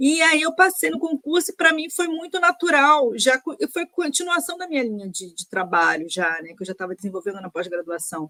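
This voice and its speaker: A woman at a fairly quick pace with very wide pitch swings. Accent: Rio de Janeiro. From Rio de Janeiro, Niterói. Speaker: energy research analyst. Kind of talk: podcast interview.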